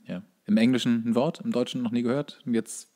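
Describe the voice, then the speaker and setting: A man's voice: medium pitch, steady tone, fairly quick, mellow. Man bantering as a podcast co-host. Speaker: podcast co-host reading out a list. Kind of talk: casual comedic banter.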